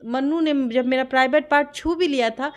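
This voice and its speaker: High-voiced, insistent Bihari woman. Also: fairly quick. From Bihar, India. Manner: insistent, full of rhetorical questions. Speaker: interviewee giving her account of a dispute. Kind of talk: impassioned interview testimony.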